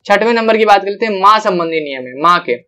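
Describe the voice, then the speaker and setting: A young male teacher with a high voice talks through a grammar lesson from his computer. He works step by step, repeats each example and stretches out the syllables. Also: animated, fast, pushed and bright.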